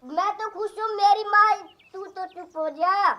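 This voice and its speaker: Performer doing a cartoon young husband, very high-pitched, squeaky, pleading. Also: a little slow, bright, forceful tone, exaggerated voice. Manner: pleading, then angry. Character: young husband caught between wife and mother.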